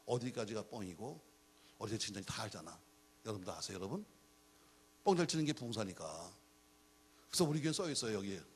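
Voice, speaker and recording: A man's voice: fairly low pitch, quick pace, pauses often, a little hiss or hum. A middle-aged man preaching a sermon as a pastor, telling jokey stories and acting out the dialogue. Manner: animated, jokey storytelling with acted-out dialogue.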